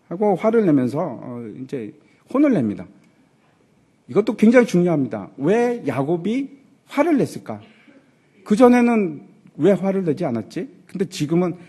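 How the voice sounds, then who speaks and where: A pastor preaches to his congregation in a church with lively energy. The man's voice sits high and swings widely in pitch. It has a slightly husky edge. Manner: animated preaching with rhetorical questions to the congregation; acts out quoted lines in character voices. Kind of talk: sermon. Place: church sanctuary.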